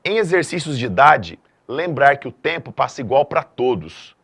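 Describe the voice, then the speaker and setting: A middle-aged man from Brazil teaches a math lesson at a middle pitch. His delivery is lively and emphatic. He keeps checking in with his students. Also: normal speed, gravelly, slightly rough. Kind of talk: video lesson.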